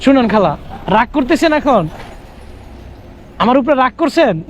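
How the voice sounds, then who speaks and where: A man's voice: extremely high pitch, expressive, normal speed, a little hiss or hum. A young man from Bangladesh in a street vlog, coaxing and pleading, repeating himself. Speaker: vlogger. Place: outdoors on a city street.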